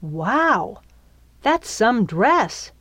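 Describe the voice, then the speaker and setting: Eager storybook girl, acted by a woman, gushing, high-pitched, hugely animated. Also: drawn-out words, no echo, full character voice. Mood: excited. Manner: over-enthusiastic, gushing. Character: excitable, eager young girl.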